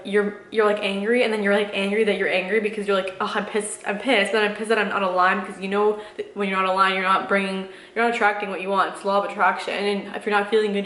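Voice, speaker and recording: A young woman speaks at a rapid clip in an echoey room, chatting as a vlogger answering questions. Her delivery rambles and is packed with fillers, yet stays earnest and encouraging. Her pitch sits in a middle range for a woman. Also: a bit bright. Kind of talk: casual chatty Q&A with motivational advice.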